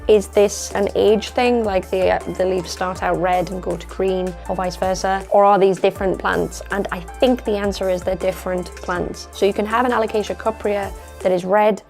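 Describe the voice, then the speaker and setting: Speaking at normal speed in a steady mid-range voice with vocal fry and a darkish tone, a woman chats to camera about her plants while soft music plays. She's a plant vlogger at home, rambling, self-correcting and losing her voice.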